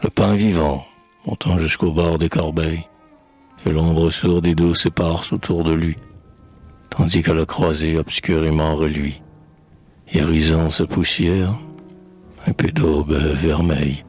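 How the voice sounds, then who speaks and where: A man recites poetry solemnly in a very low, husky voice. His delivery is very slow and measured, with declamatory phrasing given to each line. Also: flat delivery, darkish tone, soft background music. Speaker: poetry reader.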